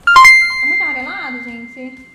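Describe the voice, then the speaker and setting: A woman's voice: sits high, animated, a little slow, echoey room, over loud music. A woman hosting a casual live stream while playing a game, chatty and thanking viewers by name.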